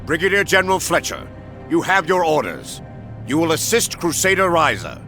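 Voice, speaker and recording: An actor playing a stern commanding general in a video game, speaking in a curt, authoritative way. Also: male voice, a little high, sing-song, moderate pace, over music. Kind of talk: video game cutscene acting.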